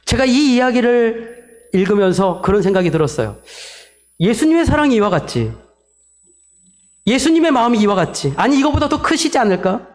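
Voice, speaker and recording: Lively high-pitched preacher man. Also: normal speed. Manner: storytelling, acts out quoted dialogue in softer lower tones; addresses the congregation directly, asks for amens. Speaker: pastor. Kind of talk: sermon.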